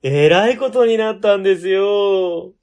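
A man's voice: high voice, measured pace, a little mellow. A man playing an earnest young office worker in a radio drama, with a questioning tone. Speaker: ward office staffer. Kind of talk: amateur web radio drama acting.

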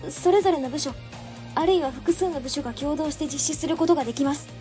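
A woman's voice: high voice, fast, warm tone, faint music behind, lightly acted. A woman playing an earnest, polite young female ward office employee in an amateur web radio drama. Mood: earnest pleading. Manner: polite, sincere, formal.

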